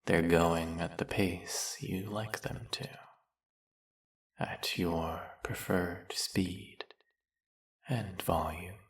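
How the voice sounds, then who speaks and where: A snake-headed villain with a silky, coaxing manner, voiced by a man. His voice sits very low with a gravelly, husky grain, and he takes his time with every word. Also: fairly even intonation, very slow, long pauses, full character voice. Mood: hypnotic. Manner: silky, coaxing, soft-spoken and purring. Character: smooth-talking snake-headed male villain, hypnotist. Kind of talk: audio roleplay.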